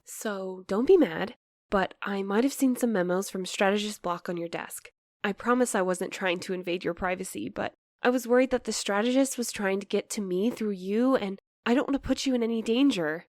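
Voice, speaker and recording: A woman acting an anxious, earnest young woman in an audio drama, speaking in an expressive, conversational way. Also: medium pitch, moderate pace, no room sound, studio quality, lightly acted. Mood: anxious, apologetic. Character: Clementine, anxious, earnest young woman snooping on her date.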